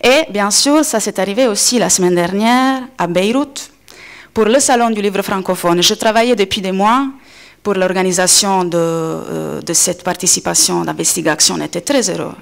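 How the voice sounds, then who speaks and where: A woman in her thirties with an Italian accent, a native Italian speaker, giving a semi-improvised conference talk with hesitant pauses and self-corrections. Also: mid-range voice, creaky. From Italy. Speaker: coordinator of a media organisation, panel speaker. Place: indoor conference panel table. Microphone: gooseneck table microphone, close.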